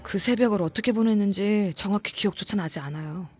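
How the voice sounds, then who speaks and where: A woman playing a frightened young woman who recounts a ghost story in a hushed, confiding, suspenseful way. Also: mid-range voice, a little fast, faint music behind, lightly acted. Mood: shaken recounting. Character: frightened young woman recounting her haunted rented room. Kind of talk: dramatic first-person horror audiobook narration.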